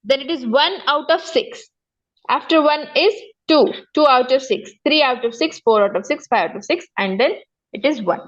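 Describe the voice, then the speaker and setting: In a one-to-one maths lesson, a woman with a South Asian accent works through the material step by step, repeating herself and often checking that the pupil follows. Her voice is high, her pace moderate, and the sound lo-fi.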